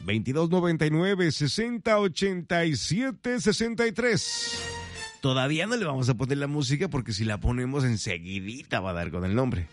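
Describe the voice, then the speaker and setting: A man's voice: a little high, animated, moderate pace, soft background music. A man hosting a morning radio trivia segment, chatty and playful, talking straight to listeners. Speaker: radio host.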